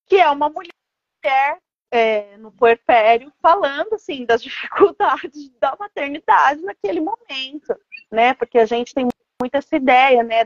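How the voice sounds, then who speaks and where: A Brazilian woman author speaking conversationally and earnestly in an interview, explaining her ideas and often checking in with short tags. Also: fairly high pitch. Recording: echoey room, dull lo-fi audio.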